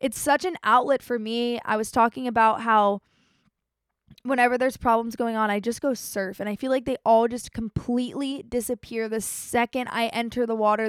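In a fairly high pitch and an American accent, a woman speaks at a moderate pace with an animated tone. The sound is dry and close with no echo, on a very clean recording with a silent background. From Pennsylvania, US. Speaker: podcast host, surfer. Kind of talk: casual monologue.

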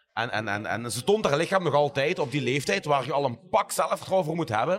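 A man speaks at a very fast pace with a fairly high pitch. His intonation is lively. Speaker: podcast host. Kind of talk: casual chat. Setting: live recording at a film festival.

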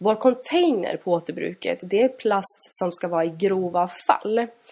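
A woman talks fairly slowly and with lively intonation over noticeable background noise. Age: 20s. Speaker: environmental educator. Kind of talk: casual interview. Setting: office.

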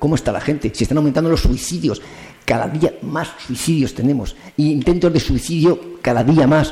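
A man speaks at a fairly high pitch and a moderate pace with ordinary pitch variation. Noticeable background noise can be heard. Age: 70s. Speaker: retired family doctor. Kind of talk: panel talk.

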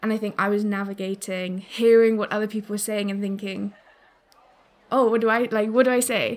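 A fairly quick woman's voice in a southern English accent, fairly high in pitch, with monotone, flat intonation. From southern England, West Sussex. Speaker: interviewee. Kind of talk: casual chat.

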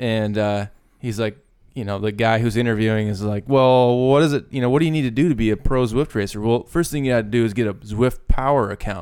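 Here a man speaks at a fairly quick pace and a medium pitch, with ordinary pitch variation. He has an ordinary speaking voice. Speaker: podcast co-host. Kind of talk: casual chat.

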